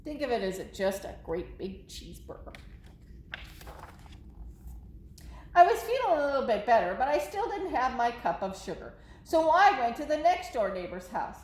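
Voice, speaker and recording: A woman's voice: on the high side, big pitch swings, brisk, few pauses, echoey room, a little hiss or hum. A woman voicing a storybook wolf who chattily protests his innocence as he tells his side. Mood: dramatic, innocent. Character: self-justifying folksy wolf telling his side.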